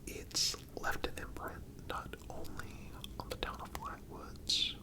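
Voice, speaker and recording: Breathy and fully unvoiced, a man's whisper narrates a written story for ASMR, measured and deliberate with pauses separating the phrases.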